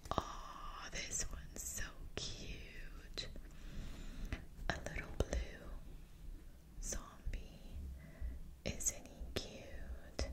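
A woman whispering softly into a close studio mic for an ASMR video, slowly repeating words. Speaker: ASMR creator. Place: small dim room indoors. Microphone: large studio mic close up.

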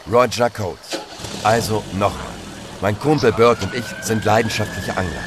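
A man's voice: on the low side, normal speed, noisy background, close to an everyday voice. A man playing a shaken, plain-spoken hobby angler in a crime audio drama.

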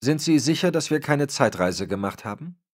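Formal fussy AI helper, precise and raised up high , as a male reader does it - sci-fi audiobook. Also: animated, moderate pace. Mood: puzzled. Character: fussy AI assistant program, formal.

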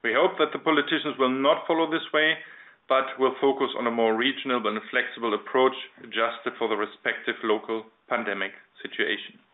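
German-accented executive on a phone line. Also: male voice, medium pitch, steady tone. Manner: formal, measured, reading from prepared text. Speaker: company chief executive presenting results. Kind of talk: scripted financial presentation on a conference call. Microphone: telephone conference line. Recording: narrow phone-line sound.

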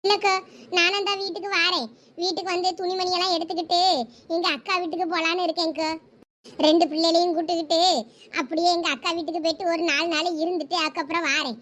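A woman with a Thoothukudi accent plays village women in a comedy sketch, her voice very high and bright. She talks in gossipy, scolding chatter. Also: little pitch movement, quick pace. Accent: Thoothukudi Tamil.

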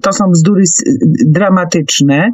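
A woman hosting a radio discussion, talking in a halting, deliberate way with frequent hesitations. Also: fairly low pitch, darkish tone, dry recording, soft background music. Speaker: host.

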